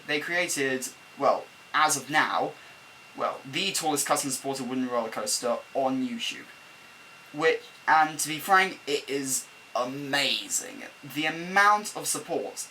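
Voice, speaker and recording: A man's voice: mid-range voice, pushed and bright, rough recording. Guy on fuzzy old camcorder audio. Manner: rambling, self-correcting, chatty. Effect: recorded on an old camcorder microphone. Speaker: let's-play builder. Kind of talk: off-the-cuff game commentary voice-over. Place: at a desk at home. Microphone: camera microphone, not a desk mic. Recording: faint hum from a camcorder mic. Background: faint laptop fan hum.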